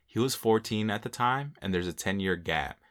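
A young man co-hosting a casual podcast, reading off facts in a relaxed, joking way, with a slight Mexican accent. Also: lowish voice, normal speed, clean tone. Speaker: podcast co-host. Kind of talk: casual chat.

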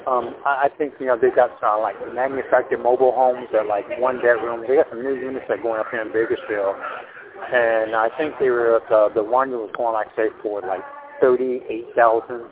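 A man in his sixties selling his home, talking on a phone call in a halting, rambling way full of fillers and restarts. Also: medium pitch, fairly even intonation, crowd noise. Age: 60s. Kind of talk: casual phone conversation. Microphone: telephone. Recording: tinny phone line.

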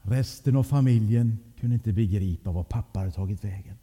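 A man telling a family story to listeners in a lively, animated way. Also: fairly low pitch, husky. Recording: long hall reverb.

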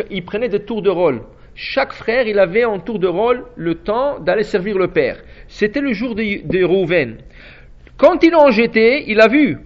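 High-pitched man teaching a Torah class. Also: muffled recording. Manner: animated storytelling, asks and answers own questions; hesitant restarts.

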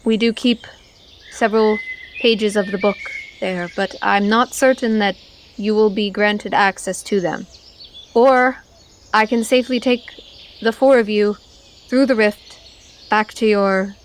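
A woman's voice: mid-range voice, steady tone, measured pace, pauses often, close to an everyday voice. A woman voicing a proud male horseman guide who speaks with stately, slightly offended formality.

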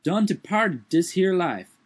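A man's voice: high voice, sing-song, slow pace, slightly rough, voice pushed up, full character voice. A man voicing a fretful old manservant, speaking in a thick old-fashioned dialect in a strained, raised voice. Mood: fearful. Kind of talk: audiobook character voice.

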